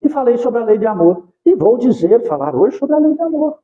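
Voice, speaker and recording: A man's voice: very high voice, sing-song, fairly quick, phone-quality sound. A man in his sixties giving an earnest devotional lecture in a center's hall, often checking in with his listeners. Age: 60s. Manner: earnest, often adds tag questions.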